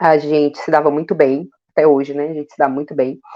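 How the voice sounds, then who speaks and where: This woman speaks with a northeastern Brazilian accent. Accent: Cearense (Brazilian northeast). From Ceará, Brazil. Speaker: guest, mother and baby sleep consultant. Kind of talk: interview, life story. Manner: hesitant, many fillers.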